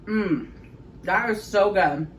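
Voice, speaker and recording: A woman in her thirties chatting casually in her home kitchen as she tastes her food, often pausing to savor it with soft hums. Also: mid-range voice, slight background noise, rough recording. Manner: chatty, savoring bites with frequent mm sounds. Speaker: home cooking vlogger. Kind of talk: casual chat while tasting food.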